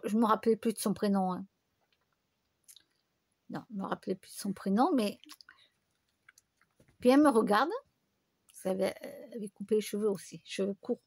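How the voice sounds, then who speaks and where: Rambling, high-voiced woman vlogger. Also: a little mellow, dry recording, studio quality. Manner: rambling, chatty storytelling with many fillers and restarts. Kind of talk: casual chat to camera.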